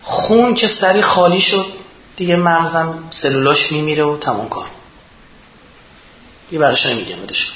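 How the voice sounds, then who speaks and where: A man's voice: on the high side, pauses often, a little hiss or hum. A man preaching a religious sermon, building to impassioned, emphatic peaks. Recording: echoey dull lo-fi.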